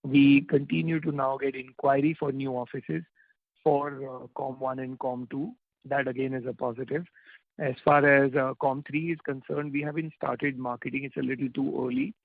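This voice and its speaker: A man with an Indian accent answers investor questions as a company executive, in informal, halting phrasing. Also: medium pitch, little pitch movement, gravelly, no echo. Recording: tinny, dry phone line.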